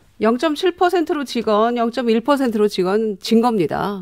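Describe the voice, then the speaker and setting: A woman speaking at a very slow pace against a quiet background. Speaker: former lawmaker, political commentator. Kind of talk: political panel discussion. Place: studio. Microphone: studio mic.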